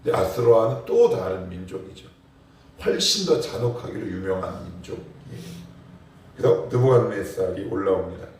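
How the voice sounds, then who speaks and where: Animated man preaching in an echoey church. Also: deep voice, moderate pace. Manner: animated, rhetorical questions, dramatic emphasis. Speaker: pastor. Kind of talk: morning prayer sermon. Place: church sanctuary. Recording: echoey church hall, mic at a distance.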